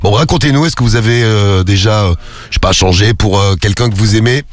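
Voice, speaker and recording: A man's voice: fairly low pitch, a little fast. A man hosting a live call-in radio show, chatting loosely and joking with his co-hosts and callers, with many fillers.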